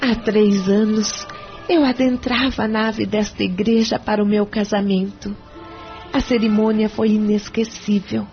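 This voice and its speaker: An actress playing a sorrowful young wife who prays and pleads in a chapel. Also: female voice, mid-range voice, little pitch movement, unhurried, soft background music, lightly acted. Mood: pleading. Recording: dull lo-fi radio recording.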